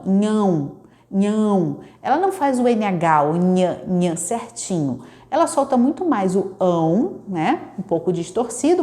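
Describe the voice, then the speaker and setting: A woman's voice: medium pitch, darkish tone. A woman speech therapist from Brazil explaining child speech development to parents, often checking in with tag questions and acting out little parent voices. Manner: acts out playful parent voices in quoted examples. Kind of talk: educational talk to parents.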